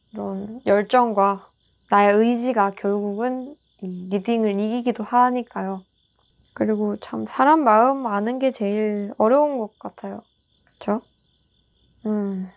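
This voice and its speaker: A woman's voice: mid-range voice, darkish tone. A woman casually reading tarot cards for her viewers, chatty and reassuring, sometimes acting out small quoted lines. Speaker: tarot reader.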